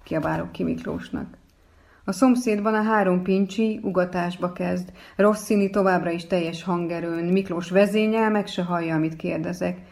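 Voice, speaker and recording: A woman reading a first-person story aloud as narrator, in a calm, measured way. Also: on the low side, gravelly.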